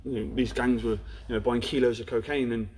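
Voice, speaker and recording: A young man with a Black Country accent tells his own story in an interview, frank and plain-spoken. He talks fast, rattling through the telling. His pitch sits at an ordinary middle height for a man. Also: steady tone, darkish tone, slight background noise. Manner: frank, storytelling, peppered with "you know". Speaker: interview guest. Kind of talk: candid personal story in a podcast interview.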